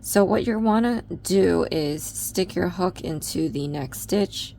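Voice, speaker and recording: A woman's voice: fairly low pitch, slow pace, vocal fry, warm tone, slight background noise. A woman giving a chatty step-by-step crochet tutorial, with frequent ums. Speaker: crochet instructor.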